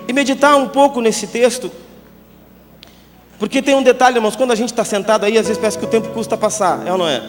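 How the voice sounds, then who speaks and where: A man preaching at a youth congress, chatty and joking, often tossing in tag questions, on a handheld mic. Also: high-pitched. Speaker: pastor. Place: church congress hall. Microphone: handheld microphone. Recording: reverberant hall with background music.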